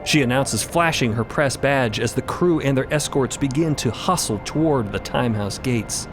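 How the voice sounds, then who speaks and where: A man's voice: medium pitch, normal speed. A man narrating a scripted audio drama as a storyteller. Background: music bed.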